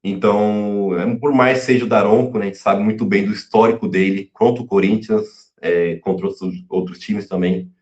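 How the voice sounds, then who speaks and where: A man giving casual pre-match football talk, halting, full of fillers and restarts. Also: lowish voice, steady tone, a little mellow. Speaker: fan channel pundit. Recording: echoey room, dull lo-fi sound.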